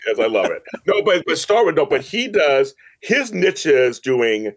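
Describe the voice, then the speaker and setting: A man's voice: a little high, a little slow, no room sound, studio quality. A middle-aged man talking casually and animatedly as a talkative podcast guest who readily plugs his own work. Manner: animated, talkative, self-promoting. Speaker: podcast guest, online media network owner. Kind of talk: casual chat.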